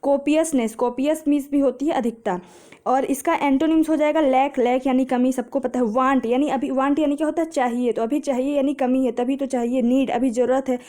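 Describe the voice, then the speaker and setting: A woman's voice: sits high, fairly even intonation, warm tone. A woman teaching an exam-prep vocabulary lesson, asking questions and answering them herself, and building memory tricks. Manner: explains patiently with memory tricks, asks and answers own questions; reads English phrases slowly.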